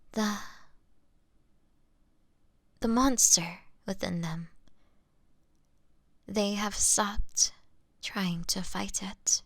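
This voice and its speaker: A woman playing a gentle young female vampire in an audio roleplay, apologetic and halting, with a breathy voice that often drops to a whisper. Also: mid-range voice, no echo, studio quality. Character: gentle young female vampire, remorseful, fighting her bloodlust. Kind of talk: scripted dramatic audio roleplay monologue.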